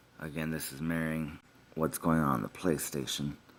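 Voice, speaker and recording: A man mumbling at a very deep, low pitch, with fairly even intonation and a moderate pace. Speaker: tech tutorial youtuber. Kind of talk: tutorial. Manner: casual, hesitant with fillers.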